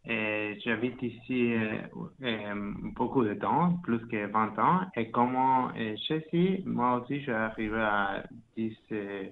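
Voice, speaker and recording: Guest, man, halting French, tinny line with faint hiss. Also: on the low side. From Argentina. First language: Spanish. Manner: hesitant, searching for words. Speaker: language school founder. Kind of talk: casual interview talk. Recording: phone-like line with faint noise.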